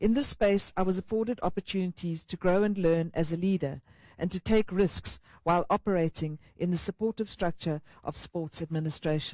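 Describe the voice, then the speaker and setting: A woman's fairly low voice with a dark, mellow tone, ordinary pitch variation and a moderate pace, dry with no echo over a quiet background. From South Africa. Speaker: sports administrator; speaker. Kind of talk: panel talk. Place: studio.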